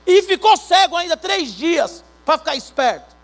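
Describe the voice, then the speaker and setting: A Brazilian pastor preaching a sermon, acting out little dialogues between God and believers in an animated way. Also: male voice, extremely high pitch, normal speed. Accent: Brazilian Portuguese.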